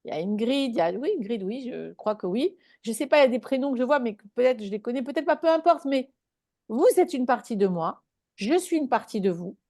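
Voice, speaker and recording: A woman's voice: on the high side, expressive, brisk, warm tone, no room sound, clean studio sound. A woman giving a live spiritual talk to a small online group, speaking conversationally and checking in with her listeners.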